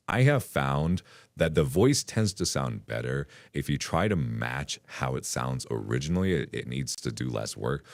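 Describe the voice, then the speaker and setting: A man demonstrating software in a casual, hesitant way, his voice pitched down through an AI voice changer. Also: vocal fry, no echo. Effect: AI voice changer, pitched-down male voice. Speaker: tech tutorial host.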